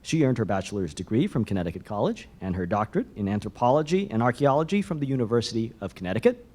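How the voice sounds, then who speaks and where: A man's voice: lowish voice, a little mellow. A man hosting an event, reading formal introductions of speakers from a script.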